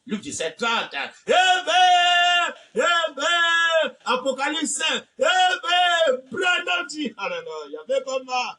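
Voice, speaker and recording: A man preaching a fiery sermon, swinging from low muttering to shouted high exclamations and repeating phrases. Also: distant mic, a little hiss or hum. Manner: repeats phrases with frequent "hein?" and "eh ben".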